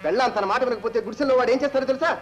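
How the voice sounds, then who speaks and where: A bitter, defiant husband. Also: male voice, extremely high pitch, rapid-fire, rough recording. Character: proud angry son-in-law, young husband.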